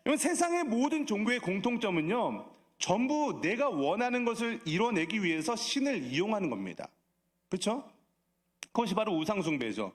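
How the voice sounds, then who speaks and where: A man's voice: high-pitched, very animated, normal speed. A man preaching as a pastor at a church service, asking the congregation questions and slipping in playful asides. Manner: playful asides that draw laughs. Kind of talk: sermon. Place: church sanctuary.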